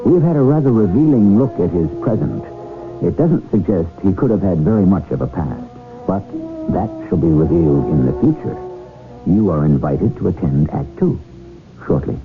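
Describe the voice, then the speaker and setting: Low wry radio host on AM radio. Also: male voice. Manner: wry, measured storyteller. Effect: AM radio sound. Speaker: host narrator. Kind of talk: 1970s radio drama narration. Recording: lo-fi AM radio broadcast with music.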